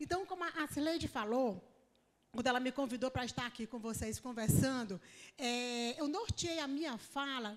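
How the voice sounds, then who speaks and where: A woman with a Piauí accent speaks at a moderate pace, her pitch swinging very widely. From Brazil, Piauí. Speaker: speaker at a conference. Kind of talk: lecture. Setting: stage with audience.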